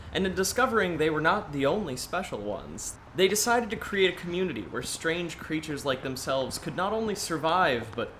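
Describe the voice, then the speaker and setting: A man's voice: on the high side, a bit bright, slight background noise. A man playing a playful, showy young tour guide in an audio drama, with a theatrical, mock-grand delivery.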